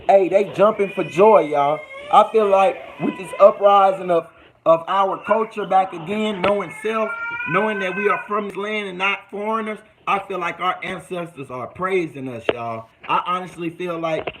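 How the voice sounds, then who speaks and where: A man's voice: a little high, background noise. A young man with a mixed Texas and California accent, talking casually to viewers on a livestream, slangy and calling them y'all. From United States. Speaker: livestream host.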